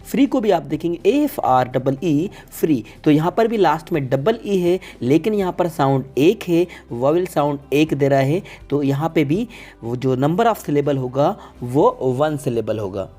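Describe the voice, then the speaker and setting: Patient, mellow-voiced male teacher. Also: a little high, lively intonation, unhurried, soft background music. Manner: patient, repeats each point and calls listeners "guys". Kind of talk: classroom-style video lesson.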